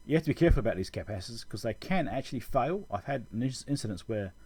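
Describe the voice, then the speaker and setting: Here a man with a mid-range, slightly mellow, husky voice speaks quickly with lively intonation. As an electronics repair video host, he casually talks through schematics, explaining his thoughts as they come.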